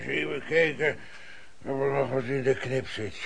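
An actor playing a bleary drunken lodger in a radio play, with a drawn-out delivery. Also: male voice, mid-range voice, steady tone, gravelly. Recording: very noisy old recording, loud crowd.

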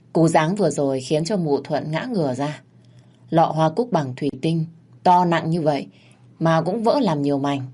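A woman narrating an audio story in a steady, dramatic storytelling manner. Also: sits low, slightly rough.

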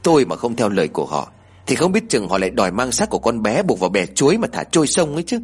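A man's voice: mid-range voice, very animated, husky. A man playing a brusque, defensive old grandfather. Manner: quick, exasperated retorts.

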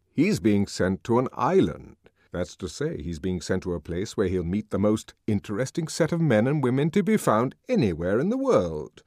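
A man voicing a powerful older controller who lectures in a measured, sardonic way. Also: on the low side, darkish tone, no room sound, clean studio sound.

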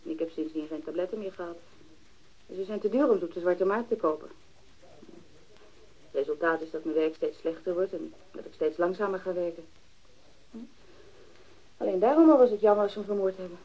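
Frank low-voiced woman witness, crisp. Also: brisk, pauses often, mellow. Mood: frank, unapologetic. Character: frank, matter-of-fact woman, drug user, testifying to police. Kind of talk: Dutch radio drama dialogue. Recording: dull, lo-fi archived radio recording.

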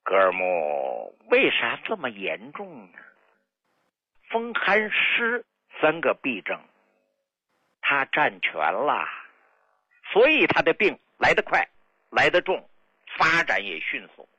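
A man's voice: mid-range voice, huge pitch swings, takes it slowly, pauses often, sharp tone, breathy edge, no echo. An older man, a traditional medicine doctor telling a patient's story on a radio health show in a folksy, dramatic way. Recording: dull lo-fi radio broadcast.

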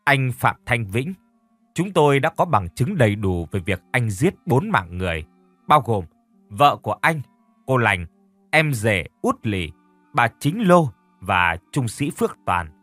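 A man voicing a stern police officer speaking formally and slowly. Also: medium pitch, very animated, fairly bright tone, no echo, faint music behind.

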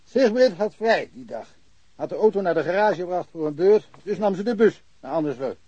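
A man's voice: high voice, expressive, fairly quick, warm tone, breathy edge, no echo, lo-fi sound. An actor playing a chatty, wry small-town policeman in a naturalistic radio crime drama, rambling along with dry humour. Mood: matter-of-fact. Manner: rambling, dryly humorous. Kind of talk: naturalistic radio play dialogue.

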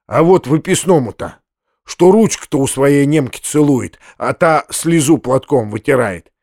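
A man's voice: mid-range voice, measured pace, a little mellow, no echo, clean studio sound. A man doing a fawning fat old landowner.

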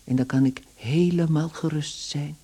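An actor playing a travelling salesman turned insect in a radio play, meek, earnest and strangely calm, speaking slowly and deliberately. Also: on the high side, husky. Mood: anxious resolve. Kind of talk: Dutch-language radio play acting.

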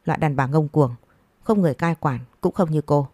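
A woman voicing a drunken, abusive middle-aged husband who scolds harshly and quickly. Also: sits low, mellow, dry recording. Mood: scolding. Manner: harsh, scolding, rapid-fire.

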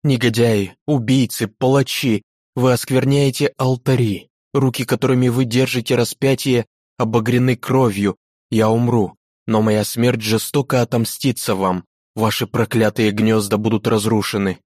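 A man's voice: mid-range voice, fairly even intonation, moderate pace, darkish tone, no room sound, clean studio sound, close to an everyday voice. A man voicing a young nobleman condemned to death, frantic and pleading. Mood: furious. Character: young desperate nobleman facing execution.

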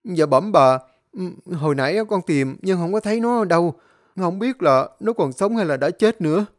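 A man's voice: high voice, lively intonation, normal speed, no room sound, clean studio sound, pitched above the performer's own voice. A man voicing a terrified young male servant who stammers and pleads, in a spoken horror story. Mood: frightened.

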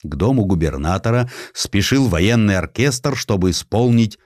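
A male narrator reads a dramatized history audiobook in a theatrical way. His voice is fairly low with animated, wide-ranging intonation, captured very dry and close. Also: moderate pace, no echo. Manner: expressive, theatrical.

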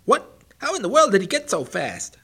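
Cocky bragging hare, guy putting it on, squeaky high and loud, kinda gravelly. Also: big pitch swings, moderate pace, exaggerated voice. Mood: panicked. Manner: mocking, brash. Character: boastful fast young male hare.

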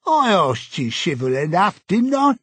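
A man voicing a stubborn, grumbling old man in an audiobook, with a husky, cantankerous, slangy delivery. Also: high voice, sing-song, a bit bright, no room sound, voice pushed up, exaggerated voice. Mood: indignant. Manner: cantankerous, slangy, drawn-out complaining. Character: grumbling old male London prole, stubborn. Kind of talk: audiobook character voice.

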